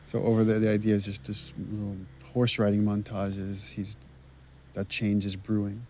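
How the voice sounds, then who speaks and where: A man's voice: fairly low pitch, monotone, normal speed, darkish tone, a little hiss or hum. Man giving thoughtful developer commentary. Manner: thoughtful, with stammered restarts. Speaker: game writer and director.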